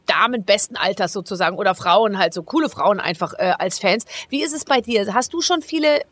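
A woman hosting a podcast in casual chat, a brisk and jokey interviewer. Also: medium pitch, lively intonation, fairly bright tone, breathy edge, dry recording. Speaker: podcast host.

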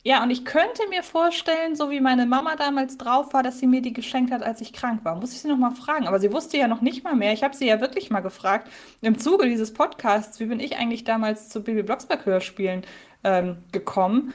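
A woman's voice: on the high side, fairly quick. Chatty woman podcast co-host. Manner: chatty, laughs often, many fillers. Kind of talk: casual podcast chat.

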